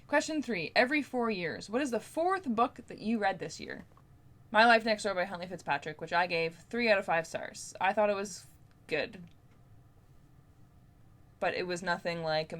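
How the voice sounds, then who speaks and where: Speaking to her viewers, this Canadian-accented woman from Ontario keeps things informal and chatty as a book vlogger talking casually to camera. Her voice sits in the mid-range and has a fairly bright tone.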